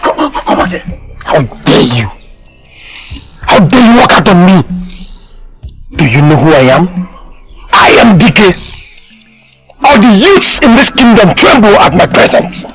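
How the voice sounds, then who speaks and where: A man's voice: medium pitch, big pitch swings, measured pace, pauses often, faint music behind. A man with a Nigerian accent playing an insistent, boastful young suitor in a film. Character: proud, possessive young man courting a maiden. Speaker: jilted suitor. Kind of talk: film acting.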